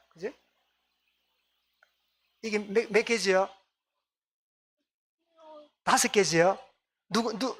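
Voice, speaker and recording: A man's voice: high voice, fairly bright tone. A male pastor with a Gyeongsang accent preaching a Sunday sermon, often asking the congregation questions and repeating their answers. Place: church sanctuary.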